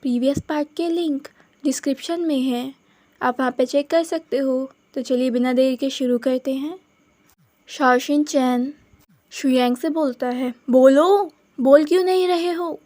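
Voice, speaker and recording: Female storyteller, high-pitched, chatty casual narration. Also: steady tone, unhurried, darkish tone, dry recording. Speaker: fanfiction storyteller.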